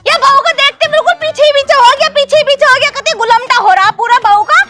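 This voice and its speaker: A woman's voice: extremely high pitch, fast talker. A woman playing a bossy, scolding old village mother-in-law, nagging and threatening in a rustic comedy skit. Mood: lecturing. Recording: loud background music.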